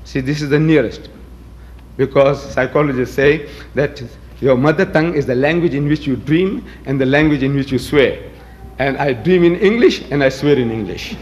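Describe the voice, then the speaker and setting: A man's voice: on the high side, slight background noise. A man from South Africa with Gujarati as his first language, giving an emphatic, rhetorical lecture and acting out debates. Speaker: public speaker on religion. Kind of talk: lecture to an audience.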